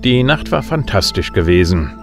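An actor playing a cocky middle-aged bounty hunter who flirts smoothly and narrates wryly in a sci-fi audio drama. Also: male voice, deep voice, sing-song, normal speed. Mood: wry, laconic. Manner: wry, laconic. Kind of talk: first-person noir narration and dialogue in German sci-fi audio drama. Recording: music behind the voice.

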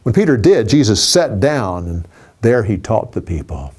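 A man in his sixties telling a Bible story from memory in a studio, animated and expressive, with small restarts. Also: lowish voice, moderate pace, slightly rough. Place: indoor studio with a curtain backdrop.

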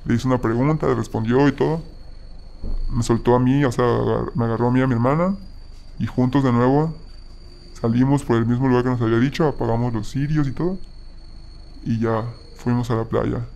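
A man telling a personal story in a halting way, often restarting his sentences. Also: medium pitch, fairly even intonation, vocal fry, mellow, muffled recording. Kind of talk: personal story told casually.

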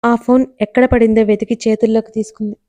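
A woman narrating a romance story with an even, measured reading. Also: fairly high pitch, dry recording.

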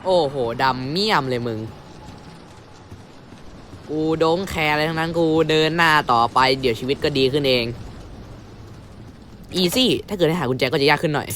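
A young man commentating a horror game playthrough, switching between a mock-polite announcer tone and crude, shouty outbursts. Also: on the high side, brisk, slight background noise. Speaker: gamer commentating his playthrough. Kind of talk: casual gameplay commentary.

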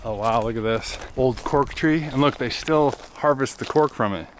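A man's voice: medium pitch, moderate pace, slight background noise. Chatty man exploring outdoor ruins. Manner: excited, chatty, wondering aloud. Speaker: travel vlogger. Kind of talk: casual walking commentary. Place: outdoors in overgrown grounds of a ruined palace.

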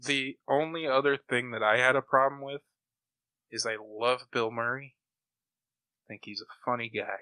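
A man co-hosting a podcast, chatting casually in an animated, opinionated way. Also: medium pitch, moderate pace, long pauses, no room sound, poor audio. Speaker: podcast co-host. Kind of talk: casual chat about comic books and old radio shows.

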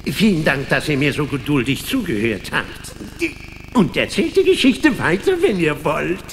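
Kindly old woodworm narrator, animated creaky voice, children's audio drama, long reverb. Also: male voice, fairly high pitch, moderate pace, a little hiss or hum. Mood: weary, fond. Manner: chuckling, leisurely, addresses listeners directly. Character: old male woodworm, kindly storyteller looking back.

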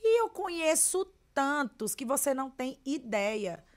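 Brazilian woman, podcast guest, high bright voice, very animated delivery. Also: a little slow. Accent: Brazilian Portuguese. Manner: lively, expressive storyteller. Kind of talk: casual chat.

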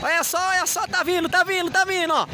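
A man, vlogging loudly and excitedly with slang as he haggles with vendors. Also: extremely high pitch, fast. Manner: loud, slangy, hyped, teasing vendors. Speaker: vlogger and game collector. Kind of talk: excited street-market vlog. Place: busy outdoor flea market. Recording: loud crowd and music behind.

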